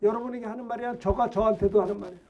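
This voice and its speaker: A middle-aged male pastor preaching a fervent Sunday sermon, shouting and exhorting with rhetorical questions. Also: high-pitched, fairly even intonation, racing, dull audio.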